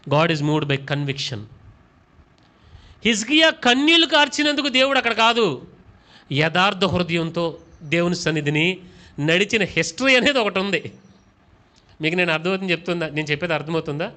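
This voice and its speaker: Bright-voiced pastor preaching, questioning his congregation. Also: high-pitched. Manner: preaching, firing questions at the congregation and urging them to answer aloud; mixes English phrases into his preaching. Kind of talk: sermon.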